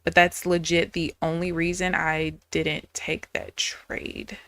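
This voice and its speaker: A woman's voice: lowish voice, level tone, slow pace, a bit bright, dry recording. A woman in her thirties, a day trader chatting candidly and casually with viewers on a live stream. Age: 30s.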